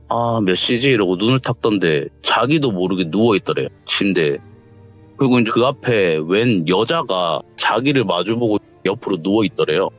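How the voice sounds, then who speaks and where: A man casually telling a true ghost story, acting out the voices in the dialogue he recounts. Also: lowish voice. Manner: animated, acts out the voices in quoted dialogue. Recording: dull lo-fi audio with faint background music.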